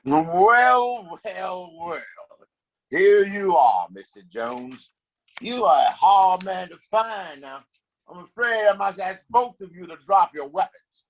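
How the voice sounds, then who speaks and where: Man acting villainous town boss, Western audio play, smug, theatrical, mock-polite, high-pitched male. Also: expressive, takes it slowly, exaggerated voice, low-quality recording.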